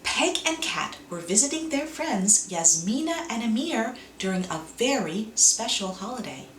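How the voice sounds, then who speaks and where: Animated woman reading a storybook, roomy sound. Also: on the high side. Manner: expressive, deliberate. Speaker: children's book author and co-reader. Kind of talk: animated read-aloud storytelling for children. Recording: roomy echo, faint background noise.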